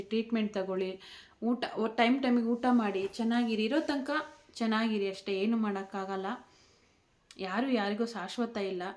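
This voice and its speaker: A woman vlogger speaks in a somewhat high voice, tearful and close to crying. She pleads with her viewers and keeps coming back to the same words. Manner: pleading, repeating herself, close to tears. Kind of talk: emotional tribute vlog.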